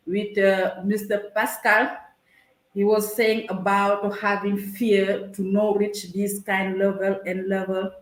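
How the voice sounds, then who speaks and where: Female guest, hesitant, restarts often, middle pitch, roomy sound. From Senegal. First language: French. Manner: hesitant and searching for words, many restarts. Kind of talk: conversational interview over a live stream. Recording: echoey room.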